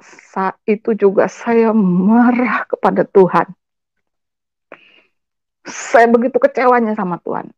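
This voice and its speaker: A woman's voice: fairly high pitch, darkish tone, no echo. A woman giving an emotional personal testimony, speaking straight to her audience and slipping in English words. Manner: addresses the audience directly, sprinkles in English words. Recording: dull, dry lo-fi recording.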